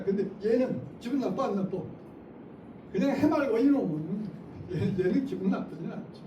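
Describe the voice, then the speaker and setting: A middle-aged man with a high voice lectures a room of teachers, acting out what students and teachers say. He sounds distant from the mic, with a lot of room echo. Background noise runs under his voice. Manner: lively, acts out classroom lines, laughs often. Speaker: teacher trainer. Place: school auditorium. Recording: echoey hall, mic from far off, noisy.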